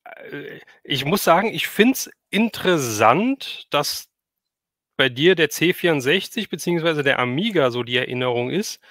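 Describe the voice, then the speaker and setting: Middle-aged male streamer, slightly high voice, dry close sound, relaxed conversational storytelling. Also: normal speed, no room sound. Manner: reminiscing, conversational. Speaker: livestream host. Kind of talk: casual chat.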